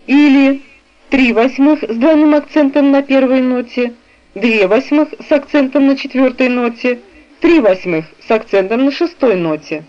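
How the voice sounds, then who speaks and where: A woman reading a music theory textbook aloud in a slow, measured way, describing the notation on the page. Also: high-pitched. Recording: dull, lo-fi recording.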